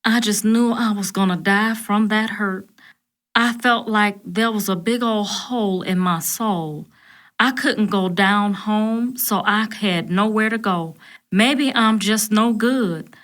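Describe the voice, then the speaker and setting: A woman voicing a hurt, fragile singer, speaking in a slow drawl through tears. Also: medium pitch, a bit bright, close to an everyday voice. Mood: sorrowful. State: tearful.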